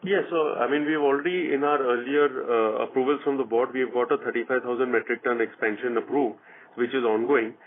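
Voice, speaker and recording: A man speaking as a company executive on an earnings call, answering questions in a measured, guarded, formal way over a conference line. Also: mid-range voice, fairly even intonation. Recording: narrow-band phone conference line.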